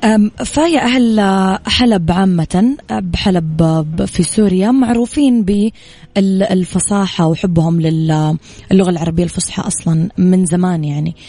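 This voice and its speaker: A woman's voice: fairly low pitch, moderate pace, mellow, no room sound. A woman asking questions as an interviewer in a conversational style.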